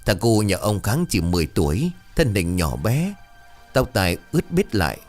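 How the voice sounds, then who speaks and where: Low, expressive male storyteller. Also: normal speed, faint music behind. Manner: expressive, swooping delivery. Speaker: narrator. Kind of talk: dramatic storytelling narration.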